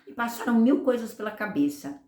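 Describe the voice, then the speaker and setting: Woman pastor, animated storytelling sermon, very expressive pitch, roomy echo. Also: fairly quick. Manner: animated storytelling, acting out dialogue. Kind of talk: sermon testimony.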